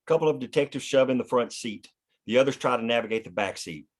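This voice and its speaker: Man reading screenplay directions, medium pitch. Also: quick pace. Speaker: stage-direction narrator. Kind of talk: scripted narration, screenplay table read.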